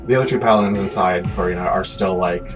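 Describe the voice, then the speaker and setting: Male game master, very low pitch, improvised conversational narration, slightly dull recording with music clearly underneath. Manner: conversational, halting scene-setting.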